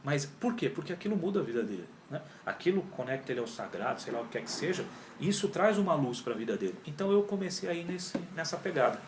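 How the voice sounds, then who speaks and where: Talking fast with hardly any pauses, a man with a voice on the high side tells his story as a guest in a casual interview, and there is background noise. He's a Brazilian yoga teacher in his 40s who acts out his past dialogue with animation and piles on slang. The room echoes faintly with ambience.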